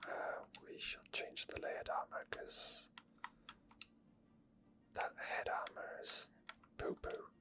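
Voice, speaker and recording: A person whispering quiet, unscripted ASMR gameplay commentary in a breathy voice, unhurried and rambling, close to the microphone. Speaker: video game streamer making ASMR. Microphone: microphone tucked under a hoodie, close to the mouth.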